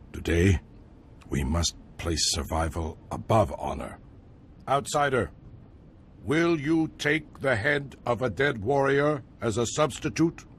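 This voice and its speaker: An actor playing a solemn tribal elder who speaks in a measured, persuasive way. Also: male voice, low voice, slight background noise.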